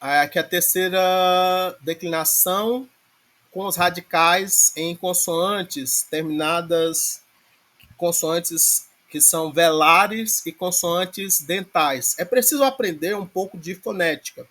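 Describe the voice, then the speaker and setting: A man's voice: high-pitched, takes it slowly, bright, forceful tone. Male teacher explaining grammar patiently. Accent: Brazilian Portuguese. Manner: explains patiently with many filler checks like "né?". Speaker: Greek language teacher. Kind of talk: online lecture on grammar.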